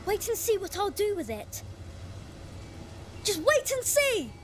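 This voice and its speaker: High-pitched, excitable young apprentice boy. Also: slow pace, a little hiss or hum, full character voice. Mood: excited, proud. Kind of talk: video game character acting.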